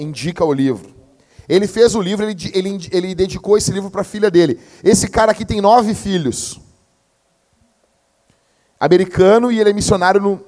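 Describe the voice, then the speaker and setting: A young adult man, preaching a sermon as pastor in a slangy, animated storytelling manner. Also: sits high. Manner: slangy, animated storytelling, peppered with "meu" and "cara".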